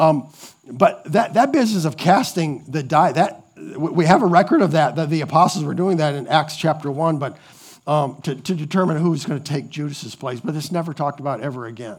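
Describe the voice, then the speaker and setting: A somewhat breathy man's voice, fairly high in pitch, with ordinary pitch variation at a fairly quick pace. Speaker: church teacher. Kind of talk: lecture. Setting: church classroom with audience.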